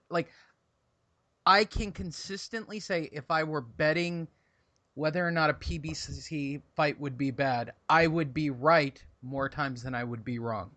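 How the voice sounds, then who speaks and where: A man's voice: a little high, sharp tone, no echo. A man hosting a casual boxing chat, skeptical and pushing back with questions. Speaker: show host.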